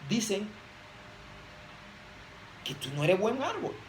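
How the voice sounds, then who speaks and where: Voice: mid-range voice, very animated, slow, slight background noise, poor audio. A preacher giving an emphatic sermon, often posing rhetorical questions to the audience.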